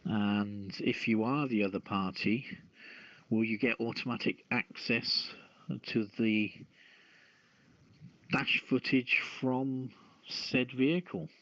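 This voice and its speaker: A man's voice: mid-range voice, slow, fairly bright tone, no echo. A man co-hosting a casual radio chat about the news, musing and jokey, often posing questions. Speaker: radio show co-host. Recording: muffled lo-fi audio.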